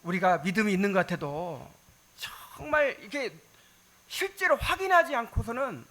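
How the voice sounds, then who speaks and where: A male pastor delivering an animated sermon. His voice sits high and swings widely in pitch. The tone is bright and forceful, and he keeps talking straight to the congregation. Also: normal speed. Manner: animated, conversational preaching with questions to the congregation.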